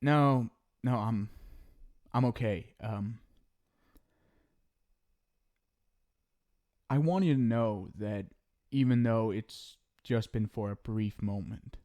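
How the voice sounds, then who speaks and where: A man's voice: fairly low pitch, takes it slowly, dark tone. A man playing an affectionate, centuries-old ghost soulmate in an intimate ASMR roleplay, speaking casually and hesitantly. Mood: shy, tender. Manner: casual, hesitant, tender, reassuring.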